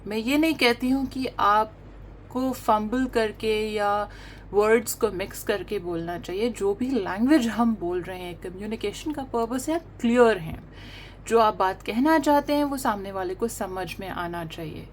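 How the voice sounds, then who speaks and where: A woman's voice: medium pitch, measured pace, a little hiss or hum. Earnest woman explaining language teaching. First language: Hindi-Urdu. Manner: earnest and explanatory, with many hesitations and English phrases mixed in. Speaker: English accent trainer. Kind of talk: talking-head monologue on language teaching.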